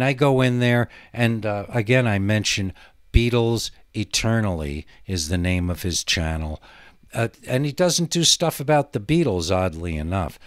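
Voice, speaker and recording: A man with a fairly low voice talks casually as a solo podcast host. He wanders through digressions and hesitates as he goes. The sound is fairly dry, with little room around it. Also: dry recording. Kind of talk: rambling casual solo monologue.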